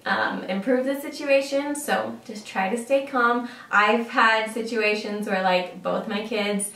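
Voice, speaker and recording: A woman's voice: medium pitch, fairly bright tone. A young woman chatting casually to camera, giving tips with lots of fillers. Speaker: vlogger sharing travel tips. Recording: roomy sound, mic at a distance.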